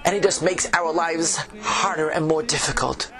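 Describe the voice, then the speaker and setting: A man's voice: on the high side, steady tone, moderate pace, over music, natural voice. A man doing a fretful Jewish tavern keeper. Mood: alarmed. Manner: fretful, pious exclamations.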